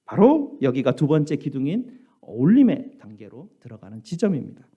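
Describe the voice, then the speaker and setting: A man preaching a Sunday sermon as pastor, telling stories and acting out voices with big swings. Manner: animated storytelling, acts out quoted voices with big pitch jumps. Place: church sanctuary.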